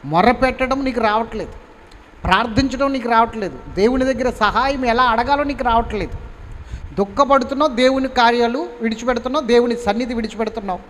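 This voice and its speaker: High-voiced emphatic pastor. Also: male voice, fast talker, a bit bright. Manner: emphatic, urging the congregation to respond. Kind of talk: sermon. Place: church hall. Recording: reverberant hall, faint background noise.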